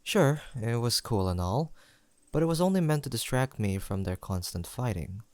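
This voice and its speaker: A young man playing a sentimental, teasing longtime best friend in an intimate audio roleplay, pausing for an unheard listener. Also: mid-range voice, expressive, no room sound, close to an everyday voice. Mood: reflective storytelling. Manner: soft-hearted, playful banter with pauses for an unheard listener.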